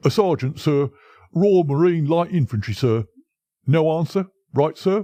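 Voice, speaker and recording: A man puts on a gruff character voice with a fairly high pitch and lively intonation. He keeps a moderate pace, with long, frequent pauses. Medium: read story. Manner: clipped, military.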